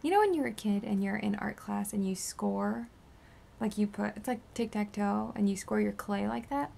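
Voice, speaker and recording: Brief: worn-out twenties woman, heavy vocal fry, raspy sore throat, rambling vlog update. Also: medium pitch, moderate pace. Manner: rambling, drifting into soft whispers. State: tired and sore after surgery. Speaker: beauty vlogger. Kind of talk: casual post-surgery update vlog.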